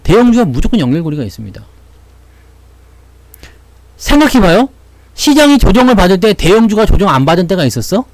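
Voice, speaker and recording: A man giving casual, blunt stock market commentary to his viewers, slangy and quick to act out little imagined lines. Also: high voice, big pitch swings, darkish tone, no room sound.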